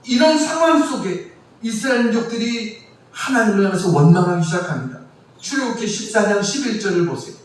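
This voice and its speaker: A man's voice: high voice, lively intonation, a little fast. A male pastor preaching a sermon, asking the congregation questions and leading them in reading scripture aloud together. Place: church sanctuary. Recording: distant echoey church hall with faint room noise.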